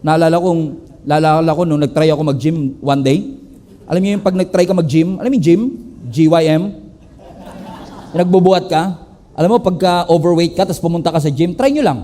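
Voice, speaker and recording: High-voiced Filipino pastor preaching with energy. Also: male voice, fairly quick. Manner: animated preaching that switches between English and Tagalog; acts out the people in the story in quoted voices. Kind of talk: sermon.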